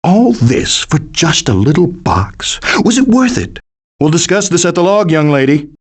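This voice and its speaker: A man's voice: fairly high pitch, big pitch swings, a little slow, slightly rough, full character voice. A man voicing a melodramatic, doting father possum in a cartoon video game, with a pompous, theatrical, declamatory manner. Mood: anxious, mournful. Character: melodramatic, hammy male possum, doting middle-aged father. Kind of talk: animated video game voice acting.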